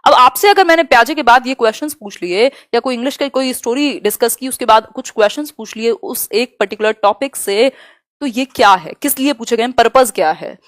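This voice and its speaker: A woman teaching an exam-prep lesson live, reading questions aloud slowly and chatting with viewers as she explains. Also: a little high, no echo, studio quality. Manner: chatty, answers viewers' comments.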